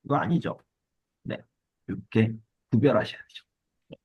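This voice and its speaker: A man's voice: lowish voice, moderate pace, husky, no echo, dull audio. A man teaching a Korean exam-prep lesson, explaining step by step, repeating key words and asking check questions.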